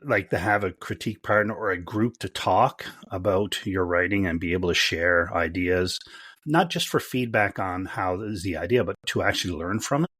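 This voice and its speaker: A woman's voice: a bass voice, normal speed, fairly bright tone, breathy edge, no echo, studio quality. A woman co-hosting a podcast, talking in a casual conversational style. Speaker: podcast co-host.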